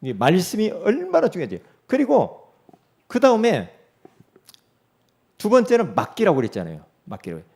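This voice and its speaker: Middle-aged male pastor, sermon delivery, emphatic, lively sing-song pitch, slightly high voice. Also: normal speed, pauses often, breathy edge. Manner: emphatic preaching with rhetorical questions, swinging from loud to soft.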